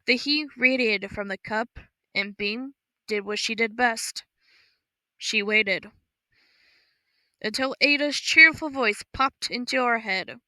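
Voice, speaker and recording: A woman reads a story in a slow, measured, even way. Her tone is bright and a little high, captured close on a dry studio mic with no room sound. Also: dry recording, rough recording. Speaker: audiobook narrator. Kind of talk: scripted story narration.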